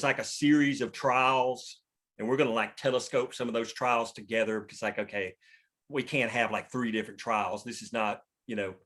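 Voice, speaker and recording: A screenwriter leading a script table read talks casually and emphatically, rambling as he explains his thinking. His voice sits mid-range with a fairly bright tone.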